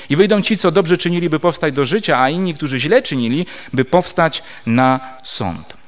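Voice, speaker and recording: Man teaching a sermon, lo-fi sound. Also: a little high. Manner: measured, explanatory, reads scripture aloud with pauses. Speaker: preacher. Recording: dull lo-fi recording.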